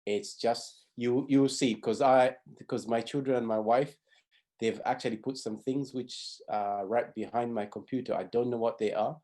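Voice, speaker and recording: A man's voice: medium pitch, fairly even intonation, moderate pace, warm tone. A middle-aged man from Zambia teaching a youth class, explaining step by step and often restarting his phrases. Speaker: pathfinder honour instructor. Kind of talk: teaching a class over video.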